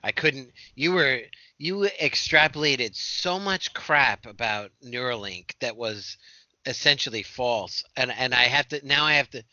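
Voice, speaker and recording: A man co-hosting a podcast, speaking in halting bursts and admitting he was off his game. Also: medium pitch, expressive, pushed and bright, dry recording, lo-fi sound. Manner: halting, self-deprecating. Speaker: podcast co-host. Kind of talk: casual banter.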